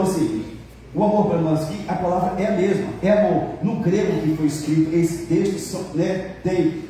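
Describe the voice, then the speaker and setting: A man's voice: fairly high pitch, warm tone, a little hiss or hum. A man with a Brazilian accent preaching a sermon to his church, joking with the congregation and acting out the dialogue he tells. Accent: Brazilian Portuguese. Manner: jokes with the congregation; acts out quoted dialogue. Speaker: pastor. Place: church hall. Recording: very echoey hall, mic far off.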